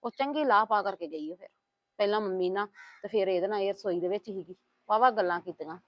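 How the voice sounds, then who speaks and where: A woman's voice: medium pitch, quick pace, close to an everyday voice. A woman playing a gossipy housewife. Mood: complaining. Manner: complaining, gossiping, soothing. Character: talkative scheming woman, middle-aged housewife. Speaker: housewife in a family drama. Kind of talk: web series acting. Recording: dull lo-fi sound.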